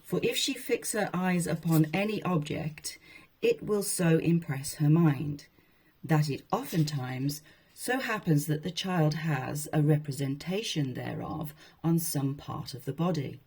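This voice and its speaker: A woman's voice: sits low, expressive, unhurried, darkish tone, slightly rough. A woman speaking informally as she presents and reads from old texts, in a conversational, wryly amused manner. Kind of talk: informal talk with read-aloud passages from a historical book.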